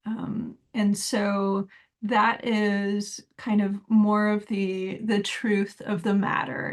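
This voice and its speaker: A woman giving a reflective solo talk as a spiritual teacher, measured and thoughtful with soft laughs between points. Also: medium pitch, vocal fry.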